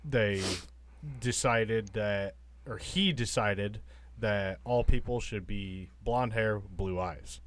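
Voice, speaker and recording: Low-pitched man playing a tabletop game. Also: slow. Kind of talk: casual explaining in game chat.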